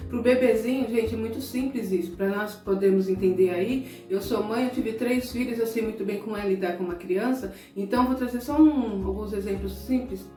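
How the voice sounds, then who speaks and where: A woman's voice: medium pitch, brisk, few pauses. A middle-aged woman preacher from Brazil giving an emotional sermon-style talk, speaking straight to her viewers and at times close to tears. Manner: conversational, addresses listeners directly. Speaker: evangelical preacher. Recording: echoey room, distant mic, soft guitar music.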